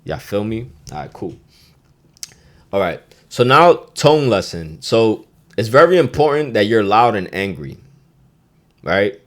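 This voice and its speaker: A man's voice: lowish voice, very animated, unhurried, pauses often. A young man hosting a podcast, giving a loose, slangy Spanish lesson, swearing and dropping in Spanish phrases. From Dominican heritage. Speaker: podcast host.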